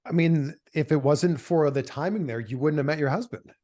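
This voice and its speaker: A man's voice: a little high, normal speed, warm tone. A man hosting an interview, asking friendly, conversational questions. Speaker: interview host. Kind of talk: casual interview.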